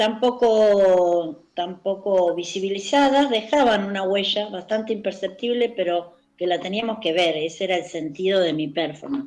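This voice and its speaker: A woman talks at a moderate pace with hardly any pauses. She has an ordinary speaking voice, medium in pitch, with ordinary pitch variation. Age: 60s. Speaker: dancer and activist. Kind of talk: interview.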